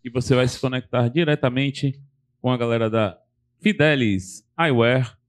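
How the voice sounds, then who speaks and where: A man co-hosting a live podcast, explaining the show's logistics and reading sponsor copy in a steady, orderly way. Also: medium pitch, moderate pace. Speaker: co-host, reads sponsor ads.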